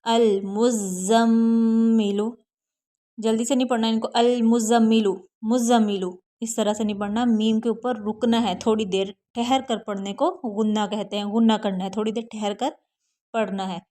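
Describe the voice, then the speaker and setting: A woman teaching Quran reading in Urdu with a South Asian accent, spelling out letters slowly one by one and then explaining the rules quickly. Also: medium pitch, fairly even intonation, warm tone. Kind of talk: slow syllable-by-syllable recitation lesson.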